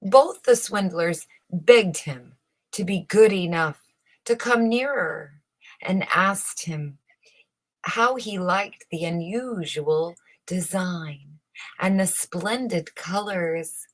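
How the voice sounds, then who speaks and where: Female storyteller for a children's classic, lowish voice, unhurried, expressive scripted narration.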